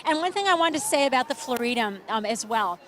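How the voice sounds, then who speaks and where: A woman's voice: a little high, expressive, fast talker, a bit bright, a little hiss or hum. A woman giving chatty, enthusiastic live commentary on a street parade outdoors, sometimes losing her place.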